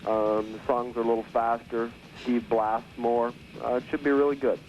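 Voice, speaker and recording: A record producer calling in by phone, speaking casually and hesitantly with many fillers, heard from a worn tape copy. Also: male voice, mid-range voice, little pitch movement, moderate pace, darkish tone. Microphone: telephone. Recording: dull phone line on worn tape with hiss.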